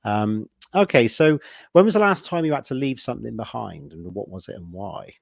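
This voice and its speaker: A man's voice: lowish voice, expressive, moderate pace, vocal fry, dry recording, clean studio sound. A young man with a West Country English accent, hosting a podcast interview in a friendly, rambling way. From Southwest England. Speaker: podcast host. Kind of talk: casual interview questions.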